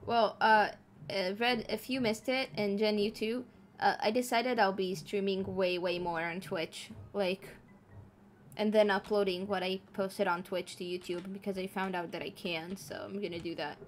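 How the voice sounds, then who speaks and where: A woman's voice: mid-range voice, steady tone, moderate pace, a little hiss or hum. A woman streaming live as a VTuber, chatting casually with her chat while playing a game, giggling often and swearing freely.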